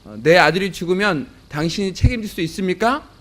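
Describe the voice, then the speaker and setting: A man doing a frantic, furious father, accusing and demanding, a bit higher than usual, storytelling in a sermon. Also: expressive, a little fast. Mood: angry. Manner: shouting accusations. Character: angry frantic father of injured boy.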